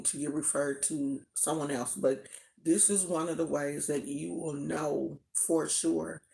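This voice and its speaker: Slow, low-voiced woman teaching casually. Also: darkish tone. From United States. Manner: chatty, repeats herself for emphasis. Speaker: teacher of a religious tradition.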